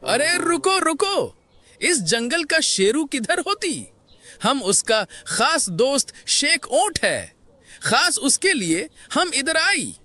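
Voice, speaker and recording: A woman voicing a friendly male sheikh camel in an animated moral story, with a put-on Arab accent, exclaiming in broken grammar. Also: sits high, slow pace, heavily acted.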